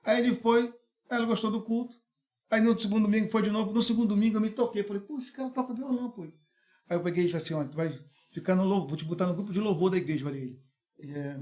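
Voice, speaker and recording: Pastor brasileiro animado, voz aguda. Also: male voice, sits high, fast. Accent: Brazilian. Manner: animated, acts out voices in anecdotes. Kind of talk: casual storytelling chat.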